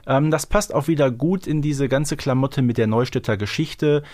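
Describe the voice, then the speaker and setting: A man's voice: mid-range voice, moderate pace, darkish tone. A man co-hosting a podcast, casually retelling and discussing in a chatty, colloquial way with frequent tag questions. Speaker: podcast co-host. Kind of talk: casual retelling and discussion of an audio drama episode.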